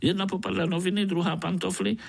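A man's voice: high-pitched, level tone, creaky, husky, voice pushed up, heavily acted. A man voicing a boastful, bloodthirsty, jovial male mosquito with a Slovak accent, who keeps calling the listener sonny. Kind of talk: storybook reading.

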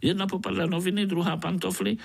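A man's voice: sits high, little pitch movement, vocal fry, slightly rough, voice pushed up, full character voice. Man doing a swaggering Danube mosquito. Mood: storytelling. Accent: Slovak-tinged Czech. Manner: jolly, teasing, swaggering storyteller. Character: boastful hungry male mosquito from the Danube.

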